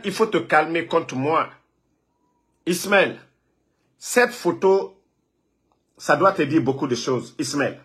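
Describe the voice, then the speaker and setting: A man's voice: on the high side, bright, forceful tone. A man from Guinea, ranting and scolding a rival on a live phone video, repeating himself. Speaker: political online commentator.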